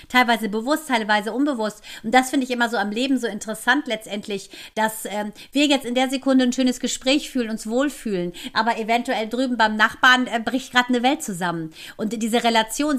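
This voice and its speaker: A woman with a slightly high voice holds forth in a relaxed chat. She talks quickly and emphatically in everyday slang, and she turns indignant easily. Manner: fast, emphatic and colloquial, with indignant outbursts. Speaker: podcast co-host. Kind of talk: casual conversation.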